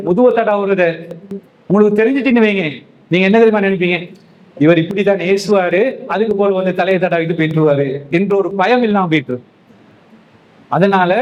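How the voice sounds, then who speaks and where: A male preacher gives a sermon, telling a story step by step and posing questions he then answers himself. His voice sits high for a man. The recording sounds dull and lo-fi. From Sri Lanka. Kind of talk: Islamic sermon to young men.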